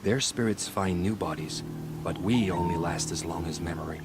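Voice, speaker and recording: An actor playing a solemn tribal hunter and painter in a video game, speaking in a grave, measured, formal way. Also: male voice, deep voice, very noisy, natural voice. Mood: solemn, reverent.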